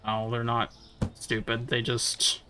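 A man streaming a game, talking casually with chat and breaking into loud playful rants. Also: mid-range voice, completely flat delivery, takes it slowly. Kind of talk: casual live-stream chat while gaming.

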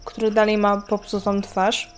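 A woman's voice: medium pitch, completely flat delivery, moderate pace, heavy background noise. A woman giving casual gameplay commentary as a let's player.

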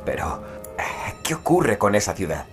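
Casting: male actor for anxious husband and father, audio drama. Impatient, stammering, highly animated delivery over music. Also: moderate pace. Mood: confused, worried. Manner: agitated, stammering, demanding.

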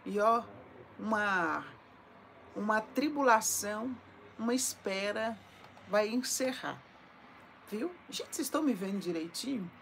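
Preaching into a phone held in front of her, this woman streams live from inside her home, speaking with a Brazilian Portuguese accent. She's an evangelical preacher whose medium-pitched voice is animated, gravelly and a bit bright, unhurried and full of frequent pauses. Her style is chatty, with small check-ins to her audience after her lines, and a slight hiss or hum runs underneath.

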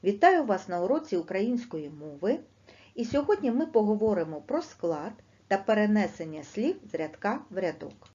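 A middle-aged woman, teaching second graders in a lively, sing-song way and stretching words out slowly. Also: medium pitch. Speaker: primary school teacher. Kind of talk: online lesson for second graders. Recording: dull lo-fi sound.

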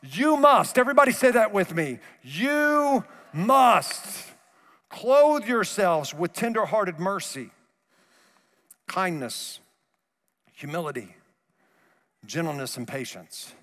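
High-voiced pastor preaching in a hall. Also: male voice, takes it slowly, pauses often. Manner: animated, gestures widely while pacing the stage; drops to a soft, low voice for emphasis. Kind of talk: sermon. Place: large church auditorium stage. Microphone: headset mic. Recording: reverberant hall, faint music.

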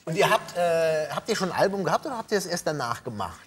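A man's voice: a little high, sing-song, fast, a little hiss or hum. A middle-aged man hosting a late-night TV talk show, joking casually with his guests and hesitating often. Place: TV studio with audience.

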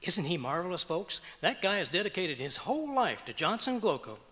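A man's voice: sits high, big pitch swings, a little fast, sharp tone, full character voice. A man playing a boastful, bumbling, cheerful husband with folksy wisecracks in 1940s radio comedy style. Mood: wisecracking. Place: auditorium stage, live performance. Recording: reverberant auditorium stage.

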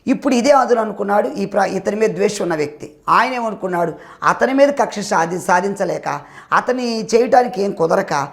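A man's voice: high voice, vocal fry. A male pastor preaching a sermon with fervent, rising appeals to his listeners.

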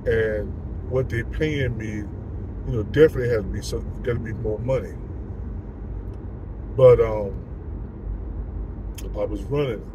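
A man's voice: fairly low pitch, a little slow, long pauses, noisy background. A middle-aged man, a truck driver, talking casually to a phone camera from inside his car, frustrated and repeating himself as he vents. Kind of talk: casual vlog talk to camera. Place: inside a parked car by day. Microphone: phone camera held close.

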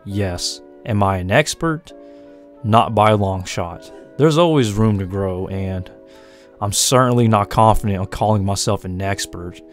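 Speaking a little slowly, a young American man gives easygoing, meandering voice-over for his tarantula hobby video, often at his own expense. His deep voice carries a slight Asian lilt he calls out himself, and he breeds tarantulas and hosts the channel. The narration was recorded apart from the footage and has faint, soft music in the background.

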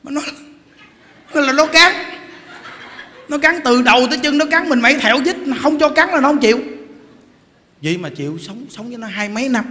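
A Buddhist monk giving an animated sermon, joking as he tells stories and addresses the audience directly. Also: very high voice, fairly quick, long pauses, big-room sound. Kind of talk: lively sermon.

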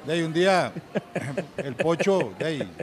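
A man's voice: on the high side, moderate pace, a little hiss or hum. A middle-aged Costa Rican man telling anecdotes in casual chat, acting out the voices of the people in his stories. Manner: animated, acts out quoted voices loudly. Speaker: guest storyteller.

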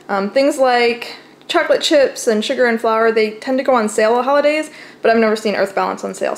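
A young adult American woman narrating a casual, chatty home vlog from her kitchen, recorded on a camera mic. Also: medium pitch. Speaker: home vlogger showing groceries. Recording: clearly noisy home camera audio.

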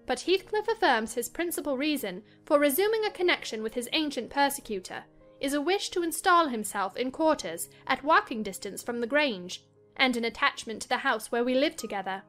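A woman voicing a willful, spoiled young married gentlewoman, emphatic and self-assured, in a dramatized classic novel reading. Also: high-pitched, voice pushed up.

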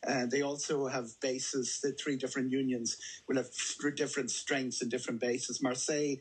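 A middle-aged man with an Irish accent speaks as an expert guest in a radio studio. His voice is husky and mid-pitched. He explains things in detail, often hesitating and correcting himself. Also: level tone, normal speed, rough recording. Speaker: travel journalist, studio guest. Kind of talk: explanatory news interview. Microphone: studio microphone on table stand.

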